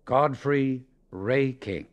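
A man reading a devotional book aloud as an audiobook narrator, in a measured, reverent way with long pauses. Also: medium pitch. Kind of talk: slow, solemn reading of devotional text.

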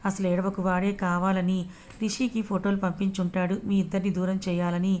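Gentle older brother, read by a woman. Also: mid-range voice, little pitch movement, brisk, close to an everyday voice. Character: caring older brother figure, gentle man.

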